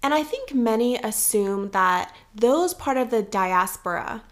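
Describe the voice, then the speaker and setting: Young woman, podcast host, earnest, measured. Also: fairly high pitch, expressive. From United States. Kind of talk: scripted podcast commentary.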